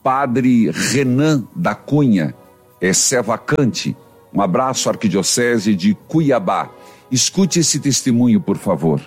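A Brazilian priest hosts a call-in program, his voice moving from gentle counsel to animated exhortation. His pitch sits in the middle of the male range. Soft music plays faintly behind him. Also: takes it slowly, slightly rough. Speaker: priest and radio host. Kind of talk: religious radio call-in.

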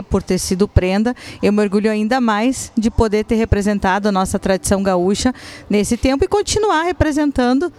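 A woman's voice: mid-range voice, darkish tone. A woman singer with a Rio Grande do Sul accent, a guest on a live radio interview, speaking proudly. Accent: Rio Grande do Sul Portuguese.

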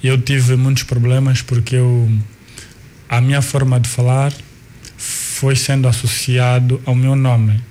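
Angolan man telling his life story slowly. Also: medium pitch, level tone, warm tone, a little hiss or hum. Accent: Angolan Portuguese. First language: Kikongo. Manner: unhurried, restarts and repeats words while recalling. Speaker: guest, artist and cultural manager.

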